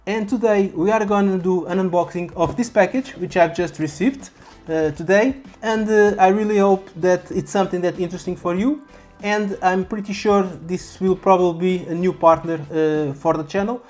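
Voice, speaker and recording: Casting: casual product-unboxing vlogger, halting and repetitive phrasing, music underneath. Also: mid-range voice, steady tone, a little mellow. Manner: halting, repeats words. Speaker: YouTube vlogger. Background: background music.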